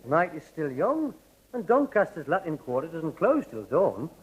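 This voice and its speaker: A man's voice: on the high side, sing-song, moderate pace, phone-quality sound, heavy background noise. An actor playing a cheeky, teasing young man in a radio sitcom.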